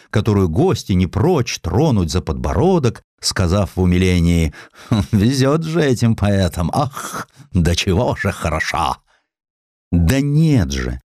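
A man narrating a literary historical story as an audiobook, in a measured, dramatic storytelling manner. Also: fairly low pitch, dark tone, dry recording, studio quality. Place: dry studio.

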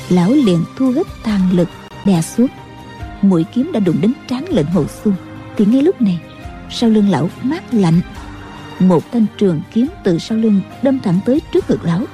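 A woman narrating a martial-arts novel as an audiobook in a steady storytelling voice. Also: medium pitch. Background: faint music.

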